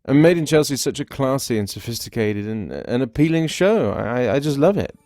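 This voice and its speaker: A man voicing a gushing young man obsessed with a reality show, halting and breathless. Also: mid-range voice, sing-song, a little mellow, no echo, clean studio sound, faint music behind, close to an everyday voice. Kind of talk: comic character read.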